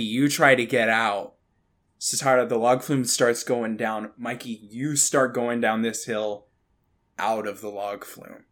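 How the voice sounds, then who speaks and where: Male game master, unhurried, deliberate scene-setter, middle voice. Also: medium pitch, fairly bright tone. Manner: slow, deliberate scene-setting with drawn-out words. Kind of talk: narrating a tabletop horror game.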